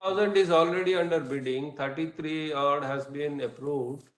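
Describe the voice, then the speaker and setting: A man with an Indian accent answering questions as a company executive on an earnings call, in a halting, measured way. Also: on the high side, steady tone. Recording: echoey room sound.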